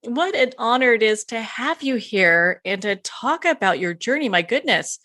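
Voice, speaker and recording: A woman's voice: a little high, animated, moderate pace, sharp tone. Woman hosting an interview show. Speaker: host.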